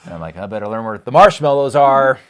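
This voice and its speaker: Male co-host, American accent, joking casual banter, highly varied intonation. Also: lively intonation, quick pace. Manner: playful, joking, repeats phrases. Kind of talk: casual chat.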